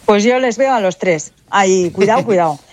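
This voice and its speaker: A man on a sports radio panel, emphatic and animated in his views. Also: high voice, moderate pace, dry recording.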